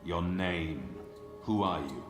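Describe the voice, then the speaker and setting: Game hero: stern former warrior, deep voice, curt and grave, music underneath. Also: male voice, slow pace. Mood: curt, guarded. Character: stern, terse male former holy warrior. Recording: game audio, echoey, music behind.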